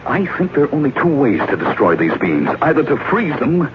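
An actor playing a resolute, quick-thinking man in danger in a 1950s radio drama, with an urgent, decisive delivery. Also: mid-range voice, sing-song, natural voice. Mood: grim, reasoning. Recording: muffled, noisy old radio recording.

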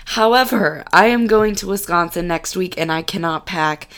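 A young woman hosting her own podcast as a lifestyle coach, hoarse from losing her voice, chatting warmly and encouraging listeners directly. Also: fairly low pitch, moderate pace. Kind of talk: solo podcast monologue. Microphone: studio podcast mic.

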